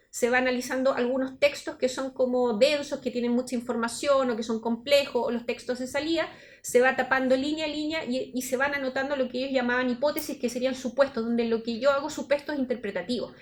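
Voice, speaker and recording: High-voiced woman giving a seminar talk. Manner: explanatory, thinking aloud with restarts. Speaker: university researcher presenting at a seminar.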